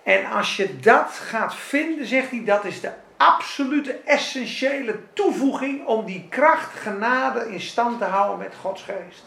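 A male pastor preaching a sermon in a lively, colloquial way. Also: high-pitched, unhurried, creaky, few pauses, reverberant.

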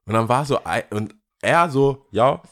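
A man's voice: medium pitch, lively intonation, unhurried, a bit bright. A young man in casual chat, telling a story animatedly, acting out dialogue and dropping in English slang.

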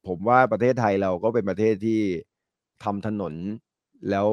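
Chatty low-voiced man with a cold. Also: steady tone, moderate pace, warm tone, no room sound, highs cut off. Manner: rambling, chatty, laughs often. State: stuffy nose from a cold. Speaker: market analyst guest. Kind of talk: casual talk show chat.

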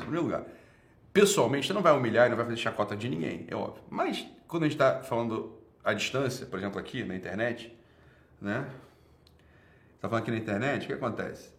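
A man with a Brazilian accent on a live stream who swears constantly, laughs loudly and mocks his viewers. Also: mid-range voice, echoey room. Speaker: livestreamer. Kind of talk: profane rant and lecture on a live stream.

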